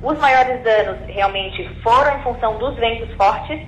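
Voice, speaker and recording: A woman's voice: a little high, a little slow. A woman explaining hesitantly as an official in a phone interview. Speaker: civil defense director, interviewee. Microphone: telephone. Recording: echoey phone call with faint noise.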